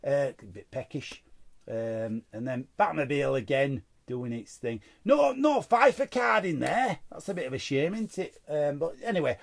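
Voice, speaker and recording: A man's voice: on the high side, animated, moderate pace, gravelly. A man hosting his own card-opening show, chatting casually and rambling with muttered asides as he looks through cards. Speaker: card-opening channel host. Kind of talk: casual unboxing commentary.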